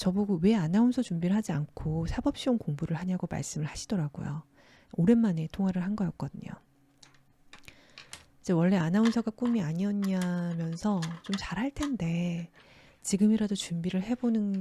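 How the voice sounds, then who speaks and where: A woman speaks calmly at a moderate pace, her voice somewhat breathy with a dark, mellow tone. Her pitch sits in the medium range, with ordinary pitch variation. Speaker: announcer / radio host. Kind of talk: casual personal monologue, diary-like talk. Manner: calm, soft, conversational.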